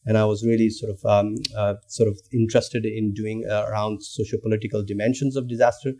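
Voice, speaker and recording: A man's voice: lowish voice, flat delivery, a little fast, dark tone. A man from Nepal, a researcher in his thirties, speaking thoughtfully with many fillers and restarts. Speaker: guest lecturer and researcher. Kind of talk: academic conversation.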